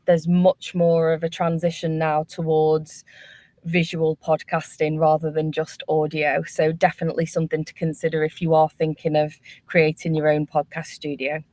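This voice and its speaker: Even-toned woman explaining on a webinar. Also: deep voice, moderate pace, no echo. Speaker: workspace company panelist.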